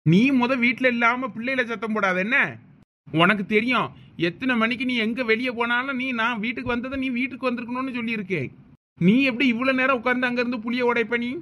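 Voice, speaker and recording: A man's voice: extremely high pitch, steady tone, quick pace, pushed and bright. A man voicing a stern but doting village father in a cartoon, with a Thoothukudi Tamil accent. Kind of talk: cartoon voice acting.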